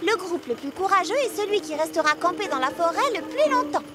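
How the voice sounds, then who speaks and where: A woman's voice: extremely high pitch, animated, brisk, very noisy. A woman voicing an upbeat, reassuring young girl who takes the lead in a children's cartoon, speaking in an encouraging way. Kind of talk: animated children's series dubbing.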